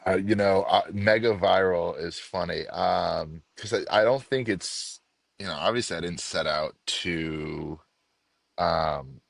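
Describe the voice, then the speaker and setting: A man's voice: low voice, slow, creaky, no room sound. A man with a stuffy, nasal voice from a cold, chatting casually as a podcast guest in a rambling, self-deprecating way. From Northeast United States. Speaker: podcast guest, meme page creator.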